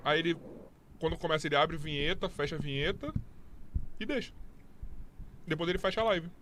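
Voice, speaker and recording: A male podcast host with a Brazilian Portuguese accent and a high-pitched voice. He chats casually at a quick pace, teasing bluntly and swearing, with faint noise behind him. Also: fairly bright tone. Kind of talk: casual, joking live podcast chat.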